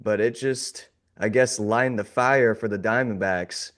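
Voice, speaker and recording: A man's voice: on the low side, unhurried, fairly bright tone. A man hosting a casual sports podcast, his voice a little off as he recovers from an illness, talking in a glum, wry way. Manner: glum, sarcastic, laughing off the gloom. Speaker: podcast host.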